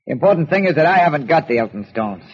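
An actor playing a beaten-up, shifty card sharp with an American accent, in 1940s radio-drama style and a stammering way of talking. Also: male voice, a little high, sing-song, quick pace, husky, long reverb tail. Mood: wary. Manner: nervous, stammering. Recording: dull old radio recording.

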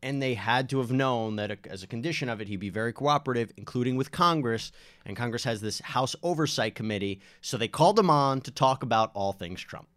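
A man's voice: medium pitch, a little fast, a bit bright, no echo, studio quality. Man co-hosting a casual legal talk show. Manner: explains legal points conversationally, jokes along. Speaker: podcast co-host. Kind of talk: casual legal news discussion.

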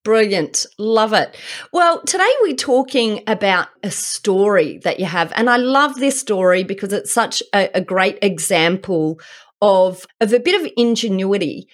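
A middle-aged woman hosting a business interview podcast, upbeat and enthusiastic, quick to laugh. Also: mid-range voice, lively intonation. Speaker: podcast host, commercial lawyer.

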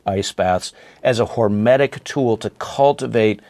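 Effusive low-voiced man. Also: measured pace, darkish tone, no echo. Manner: effusive, inspirational, emphatic. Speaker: podcast guest, breathwork instructor. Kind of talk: casual interview.

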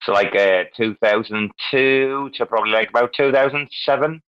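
A man hosting a casual group chat, talking in a rambling, excitable way and swearing now and then. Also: medium pitch, normal speed, clean tone. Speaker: host of a live audio chat room. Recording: muffled lo-fi line.

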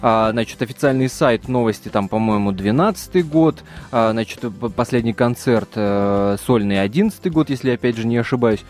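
A man's voice: medium pitch, a little fast, few pauses, darkish tone. A man hosting an evening radio show, interviewing a guest in a chatty, joking way with plenty of fillers. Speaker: radio host. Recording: radio studio with faint music behind.

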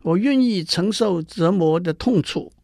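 A man's voice: high-pitched, expressive, a little slow, vocal fry, a little mellow, no room sound, studio quality, heavily acted. A man voicing a suffering young prince who is half turned to stone, telling his woes in a mournful storytelling tone. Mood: prayerful.

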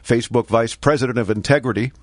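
A man's voice: medium pitch, quick pace, no room sound. An older man with a congested, nasal voice hosts a tech radio talk show, reading the news with dry sarcasm and wisecracks. The sound is dry and close, in a mid-range voice. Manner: sarcastic, quipping commentary. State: congested with a cold. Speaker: host.

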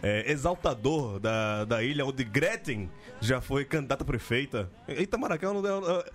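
A man's voice: medium pitch, lively intonation, normal speed, soft background music. A man with a Northeastern Brazilian accent hosting a podcast with playful, teasing, sweary banter. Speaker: sports podcast host.

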